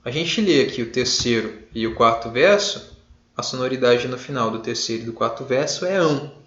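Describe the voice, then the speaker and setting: Casual Brazilian teacher, roomy lo-fi sound. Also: male voice, medium pitch, expressive, normal speed. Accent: Brazilian Portuguese. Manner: casual, many fillers, checks in with "beleza?"; jokey shouted examples. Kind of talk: online class lecture.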